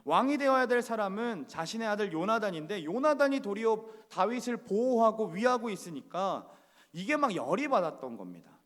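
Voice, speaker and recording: A man's voice: sits high, lively intonation, moderate pace, a bit bright. A male pastor preaching a sermon in a church, speaking conversationally and often putting questions to the congregation. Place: church sanctuary. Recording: church hall reverb.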